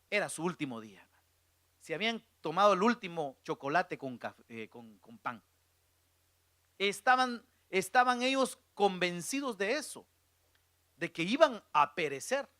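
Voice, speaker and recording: A middle-aged male preacher, his voice high-pitched and bright. He tells the story dramatically, dropping to a hush and swelling again, and the recording is dry and close. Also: no room sound. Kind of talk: sermon.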